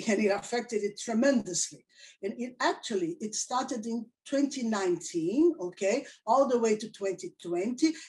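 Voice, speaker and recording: Speaking with a Brazilian accent, a woman talks at a fairly slow pace, somewhat breathy and with lively intonation. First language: Portuguese. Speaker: geology professor. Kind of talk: conference presentation. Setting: video call. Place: home room. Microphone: video call.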